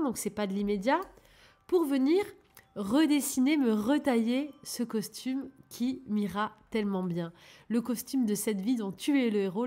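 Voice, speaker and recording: A French woman speaks in a soft, encouraging coaching tone, addressing the listener directly as she guides them toward their goals. Her pitch sits in a middle range, and her delivery is relaxed and conversational, with the hesitations of unscripted talk. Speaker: life coach and channel host. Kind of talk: casual coaching monologue.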